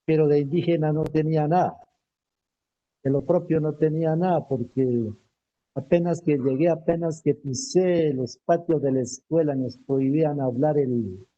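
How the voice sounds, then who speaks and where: A middle-aged Misak man from Cauca whose first language is Namuy Wam, recalling his childhood in a halting way and repeating words as he searches. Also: on the high side, fairly even intonation, dull audio. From Misak community, Cauca, Colombia. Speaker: teacher, panel guest. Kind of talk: panel talk, personal memories.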